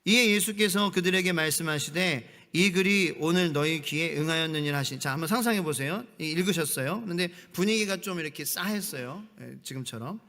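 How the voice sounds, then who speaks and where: A pastor delivers a midweek evening sermon in a church sanctuary, reading scripture and imitating the crowd's mocking voices. His voice is slightly high, bright and forceful, and he talks fairly quickly with almost no pauses. The long reverb of the church hall carries through the recording.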